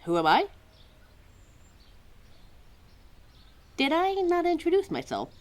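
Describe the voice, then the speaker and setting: A woman's voice: extremely high pitch, huge pitch swings, fairly quick, heavily acted. A woman playing a scatterbrained, centuries-old keeper of forgotten lore in a roleplay audio drama, flustered and hesitant as she talks to a listener. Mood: sheepish, chatty.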